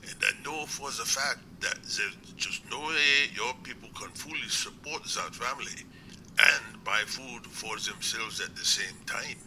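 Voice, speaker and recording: A man playing an earnest, courteous doctor in an amateur audio drama, speaking in a formal, measured way. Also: mid-range voice, lightly acted. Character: earnest, courteous male doctor, secret Sasquatch researcher. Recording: clear background noise.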